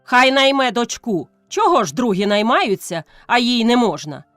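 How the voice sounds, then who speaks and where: A woman reading a novel aloud, voicing a grudging village man who shouts scornful complaints. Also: on the high side, very animated, normal speed, no room sound, faint music behind, voice pushed up. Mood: resentful.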